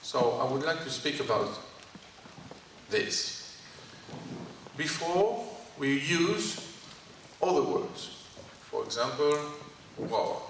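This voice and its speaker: A man with a Greek French accent giving a lecture to an audience in a college hall, speaking in short halting phrases and asking the audience questions. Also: medium pitch, animated, fairly bright tone. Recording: echoey hall from far off, faint noise.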